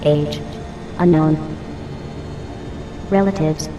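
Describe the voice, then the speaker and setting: A woman's voice: low voice, steady tone, extremely slow, music in the background. A woman playing an emotionless computer in a radio drama, reading out results in clipped, impersonal phrases.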